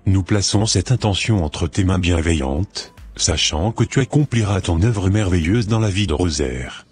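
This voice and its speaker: Deep, husky, devout Christian man acted out. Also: animated, moderate pace, a little mellow, faint music behind. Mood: solemn prayer. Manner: formal, solemn prayer delivery. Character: devout Christian man praying for deliverance, solemn and earnest. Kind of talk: scripted Christian cartoon dialogue and prayer.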